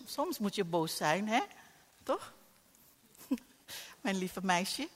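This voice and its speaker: A middle-aged woman preaching a sermon, swinging between soft reflection and loud exclamations. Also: lowish voice. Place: church hall. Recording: long church hall reverb.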